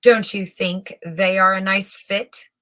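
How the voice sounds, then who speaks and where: A woman's voice: mid-range voice, steady tone, takes it slowly, fairly bright tone. A woman voicing a vain, self-conscious storybook emperor with a pompous manner. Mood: preening, hesitant.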